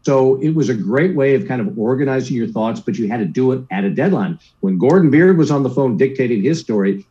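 Mellow-voiced older man telling stories. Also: mid-range voice, brisk, hardly any pauses, dull audio. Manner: lively anecdotes, acts out quoted voices, keeps asking "right?". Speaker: guest, sports broadcaster. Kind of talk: casual storytelling interview.

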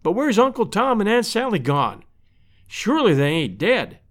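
A man's voice: sits high, big pitch swings, normal speed, pitched above the performer's own voice. A man voicing a plain-spoken, good-hearted country fellow home from out west, earnest and folksy, in a storybook. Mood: repentant. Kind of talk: storybook character voice.

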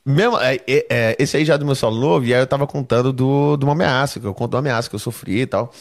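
A man's voice: mid-range voice, fast. A young man, a comedian guest on a podcast, telling anecdotes casually with lots of swearing. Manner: animated anecdotes, heavy swearing.

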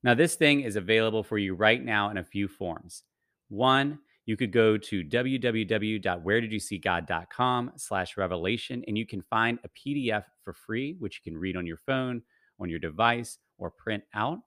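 A man's voice: lowish voice, normal speed, fairly bright tone, no echo, studio quality. A podcast host, a man, reading a friendly and persuasive promotional announcement.

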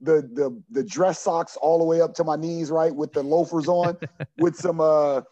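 A man in his forties with a dark, mellow voice talks earnestly as a coach on a podcast. He restarts and repeats words while he gathers his thoughts. The audio is dry and a little muffled. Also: on the high side, steady tone, normal speed, no echo. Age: 40s. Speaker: junior college basketball coach. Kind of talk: podcast interview answer.

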